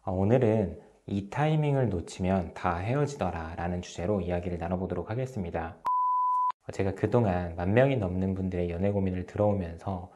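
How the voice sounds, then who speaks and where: A relationship counselor and channel host in his thirties talks to the camera, calmly and steadily giving his viewers advice with frequent "uh" fillers between phrases. His voice is low and fairly quick. The recording is very noisy.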